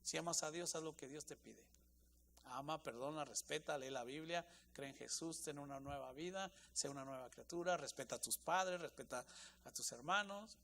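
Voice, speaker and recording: A man's voice: fairly high pitch, normal speed, creaky, fairly bright tone, a little hiss or hum. A man preaching a sermon as pastor, repeating key phrases for emphasis and building intensity as he acts out quoted speakers.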